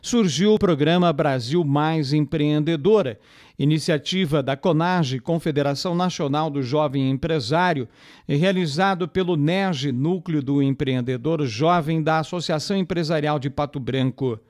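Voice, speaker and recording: A male reporter reading a scripted local news report in a measured, formal way. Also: fairly high pitch, darkish tone.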